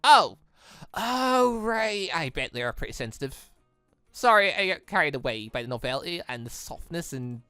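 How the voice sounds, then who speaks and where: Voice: medium pitch, sing-song, normal speed, bright, forceful tone, smooth, dry recording, soft background music. A gaming host reading the part of a naive, curious, apologetic visual novel protagonist in an earnest, hesitant manner. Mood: sheepish.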